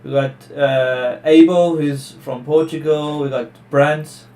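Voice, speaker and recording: A man's voice: fairly high pitch, steady tone, slow, warm tone, reverberant, far from the mic. A man from Wales hosting a casual team video call, chatty and upbeat, guiding people around. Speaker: host.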